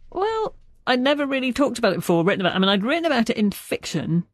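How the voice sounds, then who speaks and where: A middle-aged man from Wales, a writer, speaking reflectively in an interview with a stammer, halting and restarting. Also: extremely high pitch, big pitch swings, no echo, clean studio sound.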